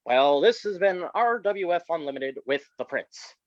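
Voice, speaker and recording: Eager, polite backstage wrestling interviewer acted by a man, animated high voice, dull lo-fi mic. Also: normal speed, no echo, natural voice. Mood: polite, inquisitive. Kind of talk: staged reading of wrestling promos. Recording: dull lo-fi microphone.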